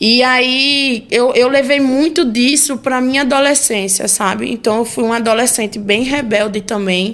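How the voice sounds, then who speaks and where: The voice moves at a fairly slow pace with very even loudness. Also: woman, high pitch for a woman, ordinary pitch variation, hardly any pauses. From Pernambuco, Brazil (Limoeiro, near Recife). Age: 20s. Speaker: podcast guest. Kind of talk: interview about her life.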